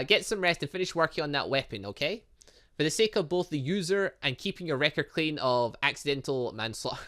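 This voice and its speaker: A man hosting a gaming video, reading visual novel dialogue aloud with casual asides, stumbling over words and correcting himself. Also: a little high. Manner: animated, exclaims and reacts playfully.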